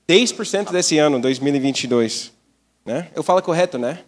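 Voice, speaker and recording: An American pastor preaches in halting, learner's Portuguese and in English, with jokey asides. His voice sits a little high for a man. The sound carries the long reverb of a church hall. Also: animated. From United States. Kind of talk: sermon with live interpreter.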